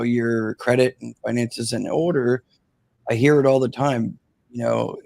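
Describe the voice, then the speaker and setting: A man's voice: mid-range voice, creaky, darkish tone. A man hosting a livestream in a laid-back, rambling way, leaning on "you know" as he talks. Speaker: livestream host. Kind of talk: casual livestream chat.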